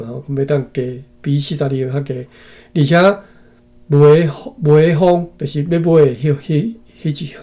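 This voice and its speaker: A man from Taiwan with a mellow, fairly high voice reads an old text aloud. He goes phrase by phrase and breaks off for asides to his listeners, often ending them with a tag particle. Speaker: reader and commentator. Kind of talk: reading a historical text aloud with commentary.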